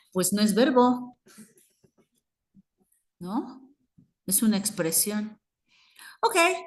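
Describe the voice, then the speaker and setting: A woman with a Mexican Spanish accent teaching an English grammar class, explaining patiently and switching between Spanish and English. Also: fairly high pitch. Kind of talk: bilingual grammar lesson.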